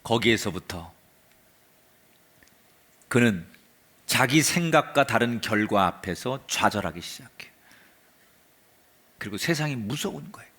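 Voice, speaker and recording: A man preaching a sermon in a church as pastor, swinging from a raised voice to hushed murmurs and leading the congregation in call-and-response. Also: medium pitch, lively intonation, a little slow, pauses often, breathy edge.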